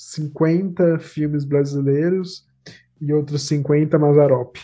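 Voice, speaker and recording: A man's fairly high voice with a monotone, flat intonation. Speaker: podcast host. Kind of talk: casual chat.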